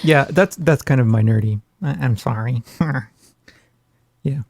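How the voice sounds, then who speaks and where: A man's voice: medium pitch, measured pace, vocal fry, darkish tone, slightly rough, no echo, studio quality. A man co-hosting a podcast in casual chat, rambling and self-deprecating with jokes. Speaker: podcast co-host.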